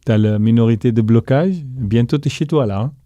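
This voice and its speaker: Middle-aged guy telling his business story, really animated, acts out the quotes, mellow voice, dry sound. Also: medium pitch, normal speed, no room sound, highs cut off. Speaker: guest entrepreneur. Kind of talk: storytelling interview.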